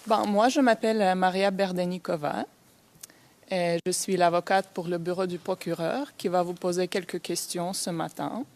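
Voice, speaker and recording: A woman's voice: fairly low pitch, fairly even intonation, normal speed, darkish tone. A woman prosecution lawyer questioning formally in a courtroom, in a hesitant French that is not her first language. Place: courtroom, speaking into a microphone.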